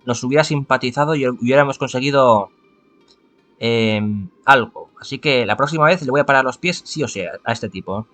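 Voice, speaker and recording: A man's voice: medium pitch, fairly bright tone. Chatty man reading a game aloud. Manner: chatty, thinks aloud, halting restarts. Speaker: let's-play host. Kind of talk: reading a visual novel aloud and commenting.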